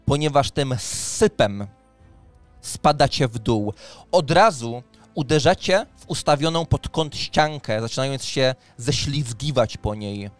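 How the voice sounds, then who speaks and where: A man's voice: on the high side, smooth. A man in his thirties works as game master, narrating a role-playing session into a close microphone. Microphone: close studio microphone on a boom arm, headphones. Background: faint background music.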